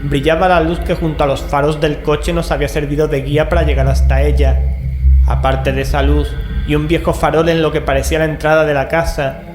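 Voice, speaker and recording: An actor playing an assured, sceptical investigator with a Castilian Spanish accent in an audio horror drama. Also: male voice, fairly high pitch, level tone, fairly quick, a little mellow, close to an everyday voice. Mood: atmospheric. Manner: assured, matter-of-fact. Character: composed, rational male investigator, sceptical and curious. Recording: echoey, music underneath.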